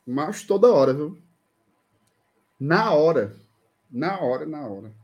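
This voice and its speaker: Man, slightly high voice, joking co-host, casual banter. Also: sing-song, a little slow, darkish tone, breathy edge, dull audio. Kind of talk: casual live-stream chat.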